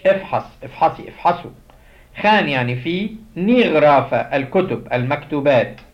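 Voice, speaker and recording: Egyptian man teaching slow word drills. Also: fairly high pitch. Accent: Egyptian Arabic. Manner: slow, drilled repetition of words. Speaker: Coptic language teacher. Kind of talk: language lesson. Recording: dull lo-fi audio.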